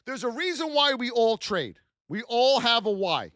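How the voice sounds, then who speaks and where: A man coaching a livestream audience with blunt, gruff tough love, in punchy repeated phrases that push and encourage. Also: very high voice, sing-song, normal speed, a bit bright, no echo, clean studio sound. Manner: punchy repeated phrases, addresses listeners as folks. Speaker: trading coach and livestream host. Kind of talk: livestream coaching pep talk.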